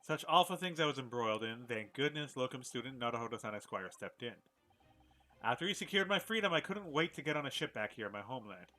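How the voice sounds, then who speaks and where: A man reading as a formal young gentleman with a put-on English accent. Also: mid-range voice, animated, quick pace, poor audio. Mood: earnest. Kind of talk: reading game dialogue aloud.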